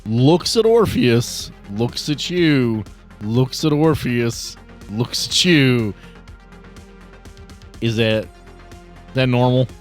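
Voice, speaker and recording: A man's voice: medium pitch, expressive, drawn-out words, pauses often, faint music behind. A man acting as game master, improvising narration and chatting casually in a tabletop role-play.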